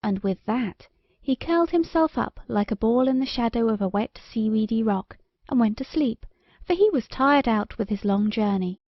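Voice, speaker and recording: A woman's voice: a little high, lively intonation, moderate pace, no room sound. Female storybook narrator, dry and slightly muffled. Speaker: audiobook narrator. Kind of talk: scripted storybook narration for children.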